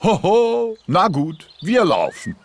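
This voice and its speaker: A man's voice: sits high, wildly swooping pitch, takes it slowly, over music, heavily acted. A man voicing a jolly, overconfident pig father in a German cartoon dub, with hearty chuckles and cheerful boasting. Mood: cheery bluster.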